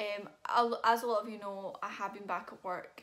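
Speaking with a Scottish accent, a woman talks at a moderate pace with a medium pitch. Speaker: youtuber. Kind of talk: casual vlog.

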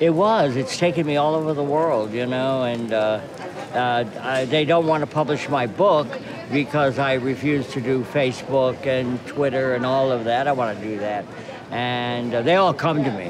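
Noticeable background noise sits behind the speaker. A man talks at a moderate pace with ordinary pitch variation. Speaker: interviewee. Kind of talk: interview answer. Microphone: lapel.

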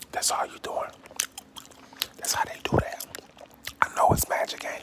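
Over loud background noise, a man whispers at a moderate pace. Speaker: vlogger. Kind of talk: casual vlog chat. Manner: close ASMR whisper with gum. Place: home room. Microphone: phone near.

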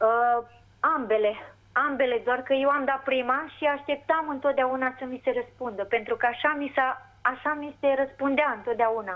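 High-pitched female speech, fairly even in intonation and moderate in pace. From Romania, Roman (Moldavia). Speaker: caller. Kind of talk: phone-in call. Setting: phone call.

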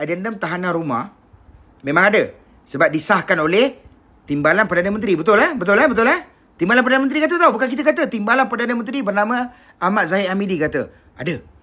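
Raised, projected male voice, bright and sharp in tone, high in pitch, with very wide pitch swings and a very fast pace. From Perak, Malaysia. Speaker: live-stream political commentator host. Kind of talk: angry rant. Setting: live stream with viewers commenting. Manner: ranting, loud, sarcastic, indignant, fast and repetitive. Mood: agitated, indignant. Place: home room. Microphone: phone near.

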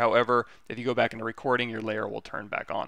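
A man speaks at a fairly quick pace, the sound dry with no echo and the background quiet. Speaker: 3D sculpting instructor streamer. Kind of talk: livestream tutorial. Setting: livestream screen-share, home. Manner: casual, rambling.

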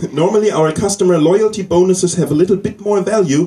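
Speaking at a very fast pace in a strong German accent, a man has a high pitch with ordinary pitch variation. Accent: thick German. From Germany. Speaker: stand-up comedian. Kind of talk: live stand-up comedy set. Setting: live comedy club with audience. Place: stage.

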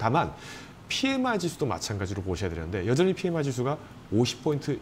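The voice is somewhat breathy, very fast, and full of very wide pitch swings, with light background noise. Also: man. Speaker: guest. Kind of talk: commentary. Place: studio.

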